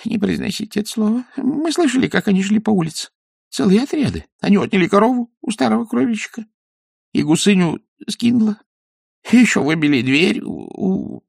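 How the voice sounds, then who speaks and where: A man's voice: high-pitched, animated, normal speed, no echo, clean studio sound, pitched above the performer's own voice. A man doing a stammering scared weaver. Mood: pleading. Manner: stammering, pleading. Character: frightened stammering male villager weaver.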